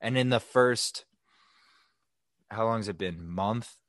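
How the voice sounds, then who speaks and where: A young man co-hosting a podcast, chatting casually in a blunt, profane, animated way. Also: on the low side, slow pace, no echo, studio quality. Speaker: podcast co-host.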